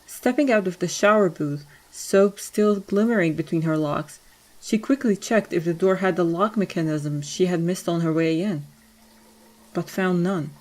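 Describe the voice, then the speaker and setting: A woman's voice: lowish voice, moderate pace, darkish tone, poor audio. A woman reading scripted story narration as the narrator of an audio drama.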